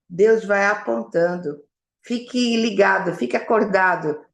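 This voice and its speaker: A woman with an ordinary speaking voice talks at a fairly slow pace with lively intonation. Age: 60s. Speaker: Bible study participant. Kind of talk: Bible study group discussion.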